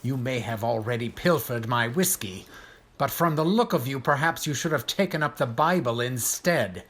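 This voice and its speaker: An actor playing a haughty, private, war-wounded gentleman in an audio drama, speaking in pompous, formal, precise phrases. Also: medium pitch, animated, normal speed. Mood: affronted, scornful.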